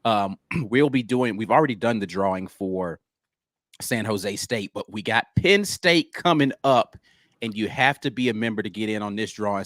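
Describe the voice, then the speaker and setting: A man's voice: on the low side, fairly bright tone, no echo, studio quality. A man co-hosting a sports podcast, talking laid-back and loose with plenty of ums and slang. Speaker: podcast co-host, film analyst. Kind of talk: casual sports talk.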